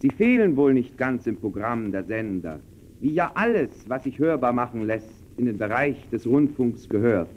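A man's voice: medium pitch, big pitch swings, normal speed, natural voice. A man playing an earnest radio pioneer, formally and emphatically explaining his art in a scripted 1920s German radio presentation. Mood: earnest, persuasive. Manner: formal, emphatic, crisply declamatory. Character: earnest male radio pioneer lecturing sceptical guests. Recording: dull, faintly noisy early radio recording.

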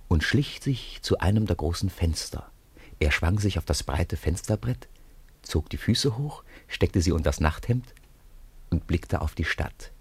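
Deep-voiced male storyteller, close and dry. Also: darkish tone, slightly rough, dry recording. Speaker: storyteller narrator. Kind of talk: scripted radio play narration, addressing young listeners.

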